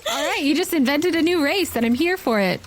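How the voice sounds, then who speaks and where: A woman's voice: high-pitched, expressive, brisk, slight background noise. A woman running a tabletop game as game master, speaking casually and encouragingly. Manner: encouraging, affirming.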